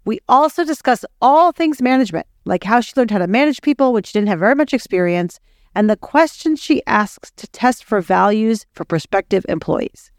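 Higher-voiced woman hosting a podcast. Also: expressive, normal speed, dry recording, clean studio sound. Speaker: podcast host and interviewer. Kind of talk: scripted podcast introduction and interview.

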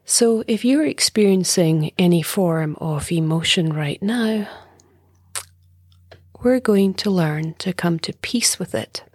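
A woman meditation teacher leading a guided meditation in a soft, breathy voice that often drops near a whisper, calm, soothing and unhurried. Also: lowish voice, no room sound, studio quality.

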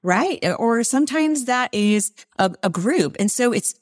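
A woman's voice: on the high side, animated, measured pace, no room sound. Upbeat woman in her forties, dry sound. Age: 40s. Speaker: guest. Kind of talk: podcast interview.

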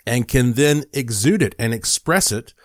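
A man's voice: medium pitch, lively intonation, a little slow, no echo, clean studio sound. A man talking through an explanatory monologue in a conversational way, with occasional fillers and restarts. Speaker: host presenting a product video.

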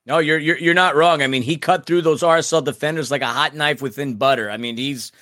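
A man's voice: a little high, fairly even intonation, a little fast, bright, forceful tone, no room sound, clean studio sound. A man co-hosting a casual sports podcast, chatty and laughing often, sometimes stumbling over names. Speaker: podcast co-host.

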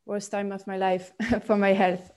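A Swiss woman in her late twenties with a Swiss French accent, a podcast guest talking haltingly with many fillers and restarts. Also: mid-range voice, little pitch movement, a little mellow. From Switzerland. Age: 20s. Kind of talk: podcast interview.

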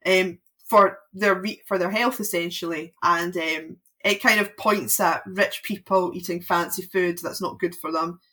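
A woman's voice: lowish voice, fairly even intonation, measured pace, hardly any pauses, a bit bright. A Scottish woman from Scotland, a podcast guest talking casually with frequent ums and restarts.

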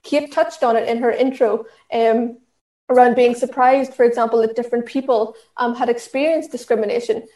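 An Irish woman with a fairly high voice speaks earnestly, teaching in an instructive, steady way, often restarting her sentences and adding fillers. Her voice rings in an echoey room. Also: moderate pace. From Ireland. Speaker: diversity and inclusion trainer. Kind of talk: talk at an online session.

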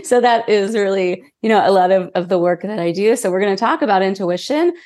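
A woman's voice: medium pitch, a little fast, a little mellow. A woman with a head cold and a cracking voice, explaining things in an earnest, informal, conversational way as a podcast guest. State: has a cold.

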